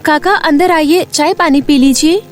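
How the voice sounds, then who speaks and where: Lady doing a polite young working girl from a cartoon tale, high voice, eager to please, music behind. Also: moderate pace, lightly acted. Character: poor, polite, hardworking young shop girl.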